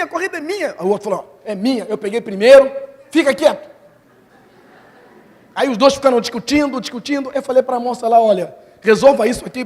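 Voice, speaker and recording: Animated man preaching in a reverberant hall. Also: high-pitched. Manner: animated storytelling, acts out quoted voices. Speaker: missionary preacher. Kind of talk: storytelling sermon. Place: large church hall. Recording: long hall reverb from the church.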